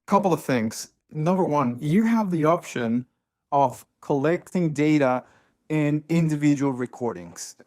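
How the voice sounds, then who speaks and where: A man's voice: on the high side, animated, unhurried, darkish tone. A man teaching a hands-on workshop to a live audience. He talks emphatically, repeats key points and keeps checking that people follow. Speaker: workshop instructor.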